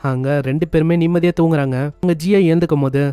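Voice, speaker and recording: Male recap narrator, brisk and chatty, slightly high, dry close recording. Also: steady tone, warm tone, smooth, no room sound, faint music behind. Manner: brisk, conversational storytelling. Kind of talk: storytelling recap.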